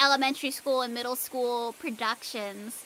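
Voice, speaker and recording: A woman's raised, projected voice, high in pitch, at a moderate pace, with noticeable background noise. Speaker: VTuber.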